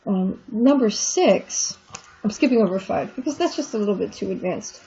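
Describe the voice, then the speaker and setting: A woman with a medium-pitched, mellow, husky voice speaks expressively at a moderate pace. She patiently explains textbook exercises and repeats examples in an online French lesson, recorded as a lecture with the highs cut off.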